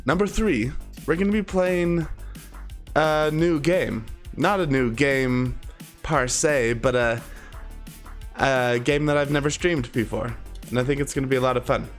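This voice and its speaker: A man with a medium-pitched voice talks unhurriedly to his live stream audience, sounding a little stuffy and sniffly from a cold. The chat is relaxed and conversational, with soft music in the background.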